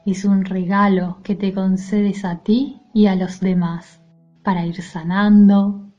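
A woman leading a guided mindfulness meditation in a soothing, gentle, soft-spoken manner. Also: mid-range voice, highs cut off. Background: music.

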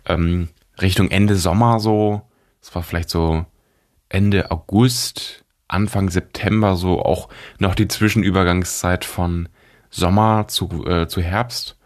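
A young man with a low-pitched voice and a congested nose talks alone as a podcast host. He rambles from thought to thought in loose, informal speech sprinkled with slang. His nose sounds stuffed up as he chats. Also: fairly even intonation, takes it slowly. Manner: informal German youth slang with English words. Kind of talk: rambling solo podcast chat.

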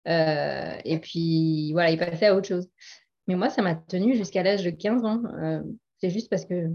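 A middle-aged woman guest in a casual interview speaks earnestly but hesitantly, laughing often. Her voice is on the low side at a moderate pace, and the audio is dull and lo-fi.

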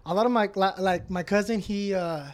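A man's voice: high voice, brisk. A man in his thirties talking casually as a podcast guest, rambling and swearing freely, often restarting his sentences. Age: 30s. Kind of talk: casual chat.

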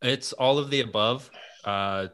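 A man's voice: medium pitch, unhurried, fairly bright tone, a little hiss or hum. A man hosting a podcast, chatting loosely and swearing freely over a remote call. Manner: casual, swears freely, rambling. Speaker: podcast host. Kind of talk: casual chat. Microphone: headset-style headphone mic over video call.

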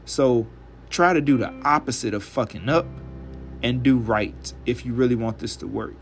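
A male podcast host talking alone in a casual, chatty way, blunt and profane, his voice hoarse and raspy from a dry throat. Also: medium pitch, normal speed, slight background noise. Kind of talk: casual solo podcast monologue.

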